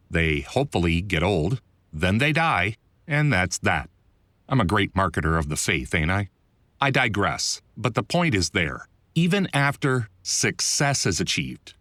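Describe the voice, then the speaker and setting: A low-leaning, slightly bright male voice with no echo narrates a nonfiction audiobook he wrote himself. The author, also a voiceover producer, reads a script in a wry, articulate, conversational way, close to a studio voiceover mic.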